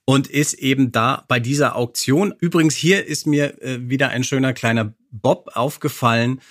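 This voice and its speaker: A man's voice: medium pitch, moderate pace, a bit bright, dry recording, clean studio sound. A man co-hosting a podcast, chatting and recapping in an informal, appreciative way. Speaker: podcast co-host. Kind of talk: casual review chat with recapping.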